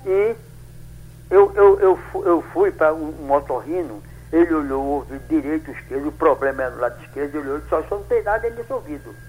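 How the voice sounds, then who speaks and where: A man in his eighties calling in to a radio show, telling his story in a rambling, halting way with many restarts. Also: a little high, expressive, narrow, tinny audio, a little hiss or hum. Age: 80s. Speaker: caller. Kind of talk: phone-in radio call.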